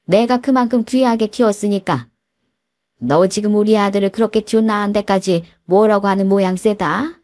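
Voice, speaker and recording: A woman's voice: mid-range voice, normal speed, darkish tone, no echo, clean studio sound, lightly acted. A woman voicing a domineering older mother-in-law who scolds and defends her son. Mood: indignant.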